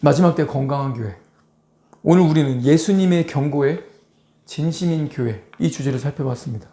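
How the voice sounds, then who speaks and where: A man preaching from the pulpit with a mellow, slightly high voice. He acts out little scenes and jumps into high, put-on voices. The sound carries the echo of a large hall. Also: a little fast. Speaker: pastor. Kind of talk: sermon. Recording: echoey church hall.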